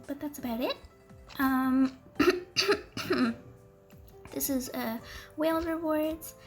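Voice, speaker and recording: A young woman chatting casually through a game walkthrough, giggly and full of ums, her voice going hoarse as she loses it. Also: high-pitched. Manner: chatty and giggly, gushing over cute characters, many ums. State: losing her voice, coughing. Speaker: gaming video creator. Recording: faint music underneath.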